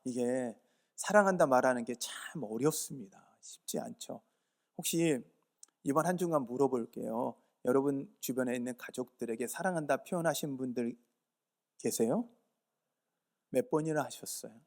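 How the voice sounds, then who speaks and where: A man's voice: medium pitch, normal speed. A pastor from Yeosu in South Korea, preaching a sermon at a church service. He earnestly urges the congregation and answers his own rhetorical questions. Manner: earnest, urging.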